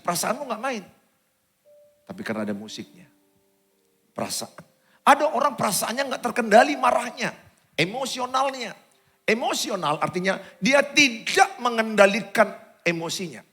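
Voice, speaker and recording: A man from Medan preaching a sermon as pastor of his church, swinging between loud urgent exhortation and quiet asides. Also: high-pitched, very animated, normal speed. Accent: Indonesian, Medan. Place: church auditorium.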